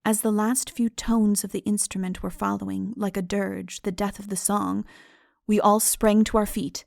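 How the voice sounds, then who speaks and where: A woman narrating a literary audiobook as a dramatic reading, in a measured, formal storytelling manner. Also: mid-range voice, darkish tone, dry recording, studio quality.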